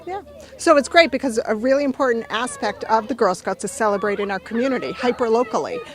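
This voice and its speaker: A woman's voice: fairly high pitch, lively intonation, fast. A woman giving an informal on-location interview, explaining a community event. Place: outdoors by parked trucks.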